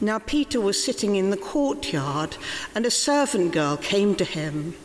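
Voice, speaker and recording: Delivered at a fairly slow pace, the speech comes with noticeable background noise. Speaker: scripture reader. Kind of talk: reading aloud. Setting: church.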